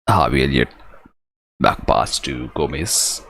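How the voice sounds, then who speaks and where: Hosting a live football stream, a man with a very low voice and a South Asian accent calls the play in short, clipped bits and mixes in casual watch-along remarks. He speaks slowly in a gravelly, fairly bright tone, with slight background noise.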